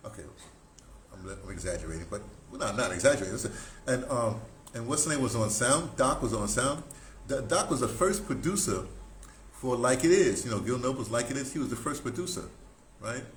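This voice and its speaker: A man in his seventies telling stories informally, in a halting, digressive way with emphatic stresses. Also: medium pitch, expressive. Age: 70s. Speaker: audio dramatist recounting theater history. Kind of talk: informal rambling storytelling to camera. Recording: roomy echo, background noise.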